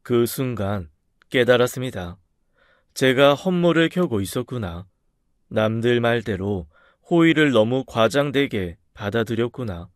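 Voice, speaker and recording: A man tells a first-person story in a steady, earnest, confiding voice at an ordinary middle pitch. The sound is close and dry, with no room echo around it. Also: unhurried.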